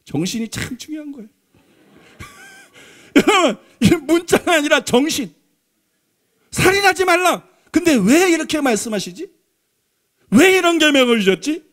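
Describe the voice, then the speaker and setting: Very high-voiced male pastor preaching. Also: big pitch swings, moderate pace, long pauses, a bit bright. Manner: emphatic, repeats points and asks the congregation rhetorical questions. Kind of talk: Sunday sermon. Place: church sanctuary.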